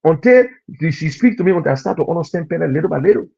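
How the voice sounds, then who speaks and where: A man's voice: fairly high pitch, lively intonation, rapid-fire, creaky, darkish tone, husky, muffled recording. A Liberian man with a Liberian accent gives impassioned political commentary on a live radio and TV stream. He scolds the listeners and repeats his points for emphasis.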